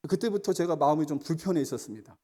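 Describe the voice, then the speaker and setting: A middle-aged male pastor giving a sermon, earnest, often calling out to the congregation and moving between loud emphatic preaching and quiet storytelling. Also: on the high side, racing.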